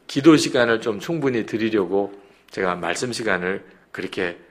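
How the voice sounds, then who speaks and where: A man's voice: lowish voice, expressive, moderate pace. A male pastor preaching at a dawn prayer meeting in a church. He tells stories vividly and speaks straight to the congregation. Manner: retells stories vividly, addresses the congregation directly. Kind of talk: sermon with storytelling.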